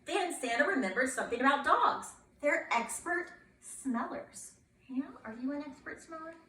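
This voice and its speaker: A woman reading a children's picture book aloud in a playful, expressive way, asking her young listeners questions. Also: high-pitched, normal speed, roomy sound, distant mic.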